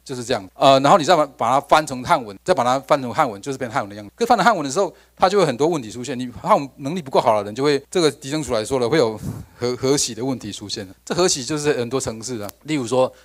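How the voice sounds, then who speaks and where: Fast-talking male lecturer. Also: medium pitch, lively intonation. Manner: conversational, asks the audience rhetorical questions; frequent restarts and fillers like OK. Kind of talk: academic lecture.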